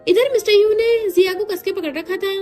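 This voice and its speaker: A woman casually retelling a drama plot in a quick, chatty way. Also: very high-pitched, a little mellow, soft background music. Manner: quick, chatty retelling with mixed English words. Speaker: drama recap narrator.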